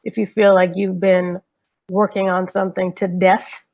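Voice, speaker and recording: Female panelist, gravelly fry, mid pitch, informal delivery, lo-fi audio. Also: flat delivery, moderate pace. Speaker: panelist, audio drama community organizer. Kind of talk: casual panel talk. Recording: dull lo-fi video-call audio.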